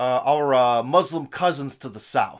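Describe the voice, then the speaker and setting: A man with an American accent uses lively intonation against a quiet background. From US Midwest, Cleveland. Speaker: YouTube interviewer. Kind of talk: interview. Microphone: studio mic.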